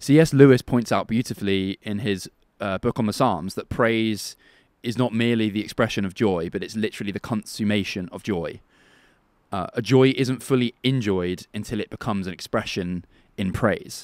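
Recorded dry and close with no echo, a man with an English accent talks at a fairly low pitch with ordinary pitch variation. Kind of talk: casual Bible talk monologue. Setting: outdoors in garden. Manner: fast talker.

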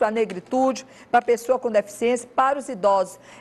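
This woman's high-pitched voice moves at a fairly quick pace with ordinary pitch variation. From Brazil, São Luís (Maranhão). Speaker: mayoral candidate. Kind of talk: political debate closing statement. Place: studio. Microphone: lapel.

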